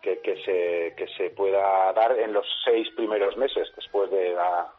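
A man giving a halting, conversational motorcycle news report on the radio, often adding tag questions. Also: low voice, fairly even intonation, faint music behind. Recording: tinny telephone line.

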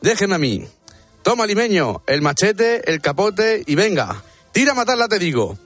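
A man's voice: high-pitched, big pitch swings, normal speed, a bit bright, faint music behind, full character voice. A man acting a bullying, impatient army officer with an accent from Spain in a comic radio sketch, blustering and threatening. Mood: exasperated urging. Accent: Spanish from Spain.

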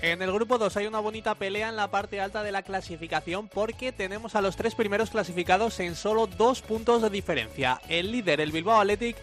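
High-voiced man presenting football round-up. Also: a little fast, few pauses, over music. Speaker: sports radio presenter. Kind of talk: scripted league round-up narration.

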